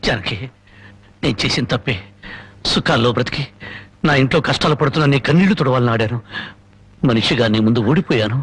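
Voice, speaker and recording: A man's voice: medium pitch, fast talker, long pauses, breathy edge. An actor playing a remorseful gambling husband who begs his wife desperately, repeating her name over and over, in a melodramatic film scene. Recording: film soundtrack under heavy music.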